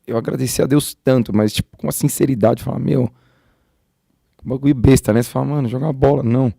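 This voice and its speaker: A man's voice: mid-range voice, steady tone, fast talker, vocal fry, warm tone, slightly rough, no echo, clean studio sound. A man sharing a personal testimony on a church podcast, slangy and earnest, laughing at himself. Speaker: podcast guest. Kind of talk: casual testimony.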